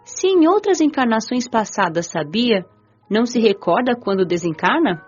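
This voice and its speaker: Radio drama lead: eager, devoted young Brazilian woman, highish animated voice, music underneath. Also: normal speed, slightly rough. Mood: eager, curious. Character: nineteen-year-old spirit woman, eager, devoted, recalling her afterlife. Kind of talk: radio drama narration and dialogue. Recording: lo-fi band-limited audio, music behind.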